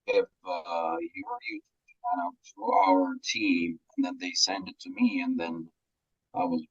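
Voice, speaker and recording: A man with a low, creaky voice gives explanatory interview answers. He speaks haltingly, pausing often to find the next word. The audio is dull and lo-fi. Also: sing-song. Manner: halting, searching for words, many pauses. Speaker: radio station presenter and producer being interviewed.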